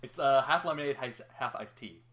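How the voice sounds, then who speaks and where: The reader, a young adult, keeps a brisk pace in a medium-pitched, slightly bright voice while reading a story in an amateur, offhand way. Stumbles occur, and teasing and cursing crop up between passages. Background noise is noticeable throughout.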